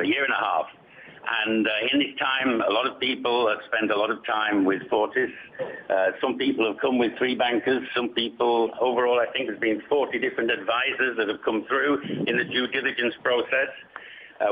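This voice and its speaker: Male executive, husky low voice, formal and hesitant, dull conference-call sound. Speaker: company executive answering questions. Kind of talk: conference call question and answer. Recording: muffled conference call line.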